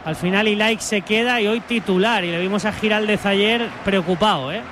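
High-voiced Spanish male football commentator, noisy stadium. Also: normal speed. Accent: Spanish from Spain. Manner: chatty, joking with colleagues. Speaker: radio football play-by-play commentator. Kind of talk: live match commentary with casual banter. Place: press area at a football stadium. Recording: loud stadium and street noise behind.

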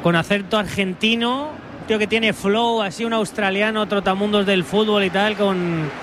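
A high-pitched male radio commentator with a Spanish accent from Spain calls a football match. He slips easily into chatty jokes with his colleagues, over clear stadium noise. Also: fairly even intonation, moderate pace. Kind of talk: live match commentary with casual banter. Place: press area at a football stadium. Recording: loud stadium and street noise behind.

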